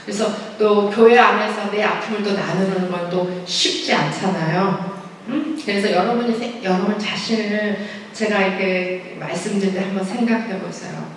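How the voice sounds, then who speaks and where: A woman's voice: mid-range voice, moderate pace, slight background noise. Woman lecturing in an echoey church. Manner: conversational, acts out quoted voices, asks the audience questions. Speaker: guest speaker, pastoral counselor. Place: large church sanctuary. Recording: echoey hall, voice from a distance.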